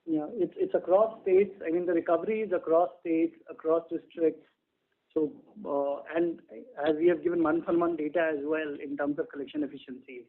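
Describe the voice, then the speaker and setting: A man's voice: on the high side, normal speed. An Indian man explaining figures as a bank executive on an earnings call, checking his points as he goes. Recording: muffled band-limited conference phone line.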